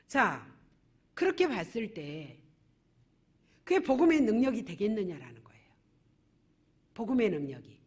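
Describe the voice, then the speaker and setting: A woman's voice: medium pitch, sing-song, measured pace, long pauses, a little mellow, husky. A woman pastor preaching a sermon at a church service, posing rhetorical questions to her congregation.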